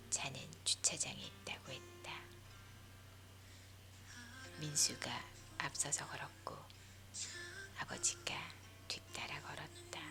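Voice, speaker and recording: A woman leaning in to whisper a story for sleep in a hushed, breathy ASMR narration. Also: a bass voice. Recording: music behind the voice. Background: music.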